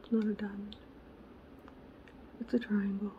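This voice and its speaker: A woman hosting a casual crafting tutorial, chatty and correcting herself, her voice raspy because she is losing it. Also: mid-range voice, little pitch movement, unhurried, muffled recording, slight background noise. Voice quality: gravelly. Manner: chatty, self-correcting, muttering asides to herself. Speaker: craft channel host.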